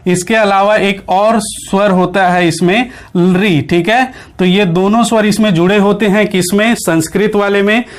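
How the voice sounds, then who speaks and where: High-voiced male grammar teacher quizzing himself. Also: fairly even intonation, a little slow, few pauses. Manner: asks the class questions, then answers them himself; repeats key points with frequent checks. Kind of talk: online exam-prep lecture.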